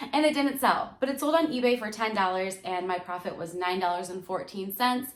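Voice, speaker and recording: A loud woman's voice at medium pitch, at a fairly quick pace. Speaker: clothing reseller. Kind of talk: casual vlog talk. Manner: trying to speak loudly and clearly.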